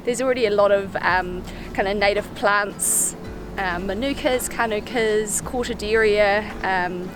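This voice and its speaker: A woman's voice: mid-range voice, unhurried, rough recording. A woman landscape designer explaining planting plans, with frequent ums and uhs. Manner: hesitant, filler-heavy. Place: outdoors. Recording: music over outdoor audio.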